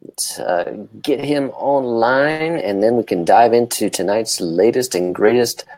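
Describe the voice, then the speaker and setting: A man with a halting delivery, chatting casually as co-host of a live talk show. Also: medium pitch, darkish tone, no echo.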